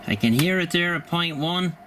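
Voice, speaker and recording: A man's voice: on the high side, moderate pace, fairly bright tone, slight background noise. A middle-aged man casually talking through a radio repair at his workbench, rambling and plain-spoken with many ums and you-knows. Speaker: radio hobbyist channel host. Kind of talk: casual hands-on demonstration.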